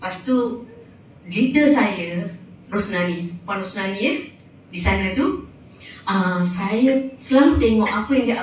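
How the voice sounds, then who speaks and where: Speaking at a fairly slow pace with ordinary pitch variation, a woman is heard over noticeable background noise and audible room echo. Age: 60s. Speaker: cancer patient giving testimonial. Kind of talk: testimony.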